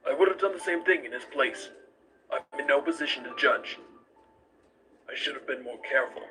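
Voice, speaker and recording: A man's voice: mid-range voice, a little fast, music in the background, lightly acted, rough recording. A man voicing a weary, detached skeleton scientist who narrates a formal journal in a comic dub. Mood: detached, reflective. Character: cold, clinical male skeleton scientist captor, weary, detached.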